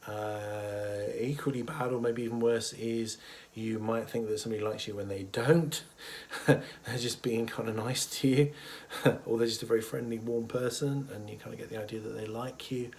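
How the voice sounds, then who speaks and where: A man speaks in a lowish, husky voice, roughened by a cold. He talks casually and thoughtfully to camera, pausing often on fillers as he explains. A faint hiss of room ambience sits under his voice. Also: steady tone. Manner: thoughtful, hesitant with many fillers, chuckles softly. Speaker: therapist. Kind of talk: casual educational talk to camera.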